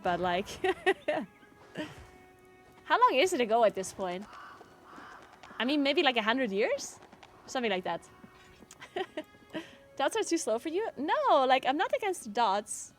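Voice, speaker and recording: Chatty woman streamer. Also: a little high. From South Tyrol, Italy. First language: German. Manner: chatty, answers chat, frequent "like" fillers. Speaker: game streamer. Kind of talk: casual chat while gaming.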